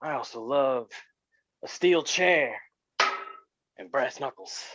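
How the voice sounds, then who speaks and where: A man playing a swaggering hardcore wrestler in a staged promo reading, halting and deliberate, on dull lo-fi audio. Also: medium pitch, expressive, background noise. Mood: boastful menace. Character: swaggering hardcore wrestler bragging about weapons. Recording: dull, lo-fi, dry close audio.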